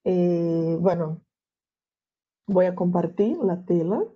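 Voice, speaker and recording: A woman's voice: on the low side, slow, husky, dull audio. A Brazilian woman whose first language is Portuguese, giving an academic lecture in Spanish and searching carefully for her words. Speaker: guest lecturer.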